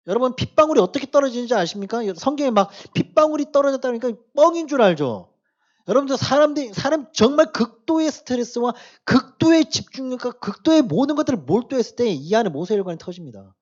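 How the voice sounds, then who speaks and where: A man preaching to a church youth group, shifting between quiet asides and loud emphatic exhortation, often asking his listeners questions. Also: very high-pitched, lo-fi sound. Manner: casual, speaks directly to the youth with questions. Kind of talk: sermon to teenagers.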